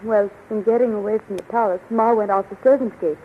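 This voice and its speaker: An actress playing a devoted, distressed young heroine held captive in a 1930s radio serial, earnest and emotive. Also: female voice, mid-range voice, steady tone, quick pace, natural voice. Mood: anxious. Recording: tinny, noisy 1930s radio recording.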